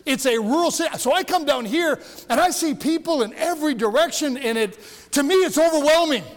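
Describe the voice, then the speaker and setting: A man's voice: extremely high pitch, lively intonation, fairly quick, big-room sound. A man in his sixties from Michigan, a longtime pastor preaching a sermon in a church in a folksy, joking way with many restarts. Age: 60s. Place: church sanctuary.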